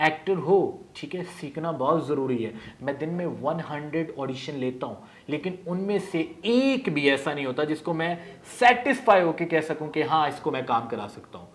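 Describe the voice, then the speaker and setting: Pakistani man talking briskly about classes. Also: fairly high pitch, sing-song. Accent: Pakistani Urdu. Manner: quick, informal, mixing in English words. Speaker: acting teacher. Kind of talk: casual promotional talk to camera.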